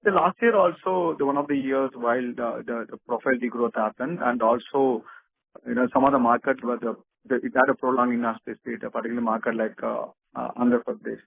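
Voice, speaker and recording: A man with an Indian accent speaking as a company executive, answering questions off the cuff in a halting, repetitive way with many restarts. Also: mid-range voice, fairly even intonation, vocal fry, slightly rough, no room sound. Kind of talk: unscripted earnings call answers. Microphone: telephone conference call. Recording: narrow muffled phone conference line.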